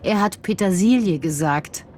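A woman narrating a personal documentary in a calm, measured, reflective first-person voice. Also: medium pitch, a little hiss or hum. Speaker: journalist and narrator.

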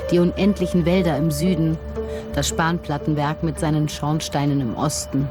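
A woman narrating a personal documentary in a calm, measured, reflective first-person voice. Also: low-pitched, over music. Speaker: journalist and narrator.

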